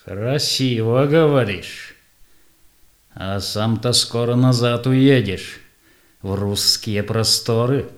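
Proud, defiant male tribal leader for verse radio play, played by an actor: very unhurried, weighty, declamatory. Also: mid-range voice, close to an everyday voice. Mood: wary, proud. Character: proud, defiant Yakut tribal leader, embittered father of five. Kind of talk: theatrical verse drama acting.

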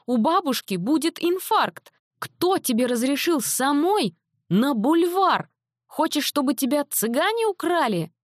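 A high-strung storybook mother, shrill and exasperated, who scolds in a raised, tight voice, as a woman reader puts her on. The sound is close and dry, with no room around it. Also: sing-song, normal speed, no room sound. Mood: frantic scolding. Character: frantic scolding mother, middle-aged woman. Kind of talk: audiobook character voice.

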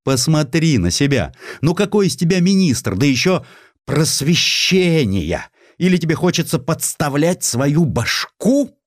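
Man putting on a high-pitched nagging wife. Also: very animated, measured pace, no room sound, clean studio sound. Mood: scornful, scolding. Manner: shrill, nagging. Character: scolding wife of a government minister.

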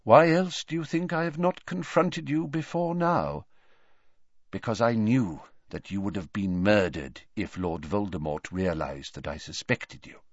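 A man's voice: a little high, sing-song, measured pace, dry recording, dull audio, voice pushed up. A man voicing a frail old male headmaster wizard who speaks lightly and courteously. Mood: gentle.

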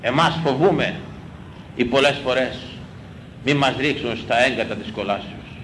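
A man, a priest, delivering a sermon in an emphatic, pleading way, repeating phrases and swinging between loud exclamations and hushed lines. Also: mid-range voice. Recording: echoey room with faint ambient noise.

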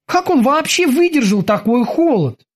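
A timid, careful boatswain from a storybook makes his points gingerly, as a narrator puts him on. The voice is raised far above the reader's own and stays lively. A husky breath sits under the words. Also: high-pitched, normal speed, voice pushed up. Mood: cautious. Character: cautious young male boatswain.

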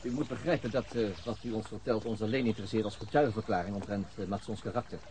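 An actor playing a calm male detective asking probing questions in a radio drama. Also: fairly low pitch, fast, noisy background, natural voice.

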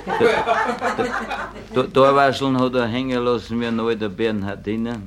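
Man, comedian, heavy stutter on every phrase, mid-pitched, telling jokes. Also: level tone, normal speed, very noisy. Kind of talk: stand-up joke telling.

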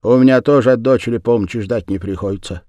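A man's voice: mid-range voice, fast, mellow, dry recording, lightly acted. A man reading aloud, voicing a wistful old woman who pleads and dreams of a home. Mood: anxious.

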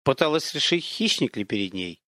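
A man narrating an audiobook in an expressive, dramatic storytelling manner. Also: mid-range voice, normal speed, no room sound.

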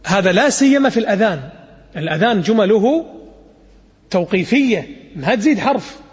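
Male preacher, husky, quick, high-pitched, lively storytelling sermon. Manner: lively, acts out quotes, demonstrates call to prayer recitation. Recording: reverberant hall.

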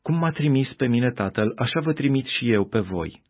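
A man voicing a calm, solemn male teacher with slow, measured speech in a scripture reading. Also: medium pitch, no echo, close to an everyday voice. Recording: tinny phone-like audio.

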